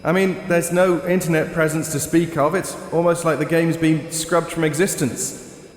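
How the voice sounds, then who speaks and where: A man's voice: fairly high pitch, fairly even intonation, normal speed, close to an everyday voice. An actor playing a polite, nervous, hesitant male interviewer in a horror audio drama. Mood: growing unease. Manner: hesitant, stammering, awkward. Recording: echoey hall with faint noise.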